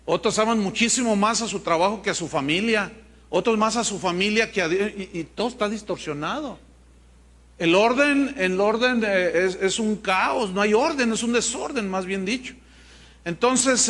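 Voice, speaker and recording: Guy pastor giving a sermon, pretty high voice, acts out little dialogues. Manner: animated storytelling, acts out dialogue in quoted voices.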